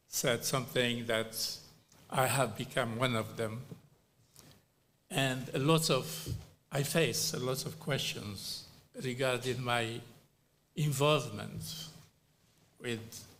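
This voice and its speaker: A middle-aged man from Algeria giving a formal speech as a panel speaker at a human rights hearing, slow and deliberate, with pauses and fillers. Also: mid-range voice, a bit bright, a little hiss or hum.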